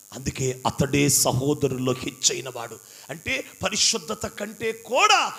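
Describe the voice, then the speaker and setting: A man's voice: very high voice, bright, forceful tone. A man preaching an impassioned sermon, acting out pleas and quotes. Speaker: pastor.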